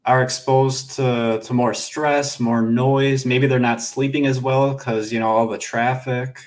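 A man's voice: medium pitch, flat delivery, a little slow. A man interviewing a guest, asking probing questions politely and restarting his sentences often.

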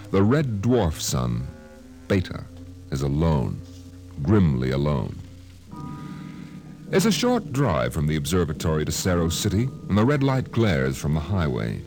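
A man narrating a scripted 1950s radio drama as announcer, dramatic and portentous. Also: a bass voice. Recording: old radio broadcast with music.

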